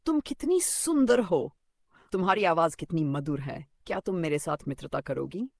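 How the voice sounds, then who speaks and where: A narrator voicing a sly, greedy, flattering black male crow in a children's cartoon story, with a wheedling, boastful manner. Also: medium pitch, moderate pace, vocal fry, dry recording, clean studio sound.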